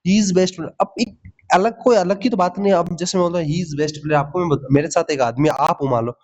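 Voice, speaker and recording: A man with a fairly high voice teaches English grammar in for exam prep. He is lively and keeps checking in with "ठीक है?" and calls his students "भाई". The audio sounds a little dull and lo-fi. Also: brisk. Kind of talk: Hindi grammar lesson with English examples.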